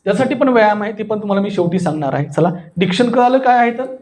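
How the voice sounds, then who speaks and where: High-voiced man coaching a class. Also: animated, fast, darkish tone. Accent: Marathi. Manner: demonstrative, checks understanding with questions. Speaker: voice and public speaking coach. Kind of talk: interactive workshop teaching.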